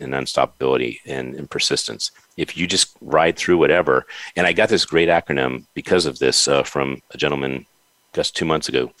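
A man's voice: very deep voice, fairly bright tone, dry recording. A man hosting an interview show, speaking in an effusive, motivational way. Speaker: podcast host. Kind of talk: casual interview chat.

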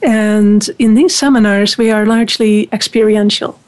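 A Dutch-native woman, director of a spiritual university, explaining her programs in a conversational interview at a measured pace with many fillers. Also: mid-range voice, steady tone, a little mellow.

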